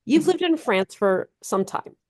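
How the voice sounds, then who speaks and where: A woman interviewer asking measured questions. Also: on the high side, very animated, darkish tone.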